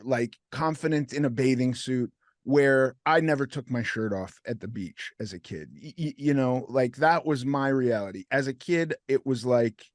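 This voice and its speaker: A middle-aged male host speaks in a dry, close recording. He talks haltingly in a casual interview and stumbles over repeated words as he begins his points. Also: medium pitch, no room sound. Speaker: podcast host.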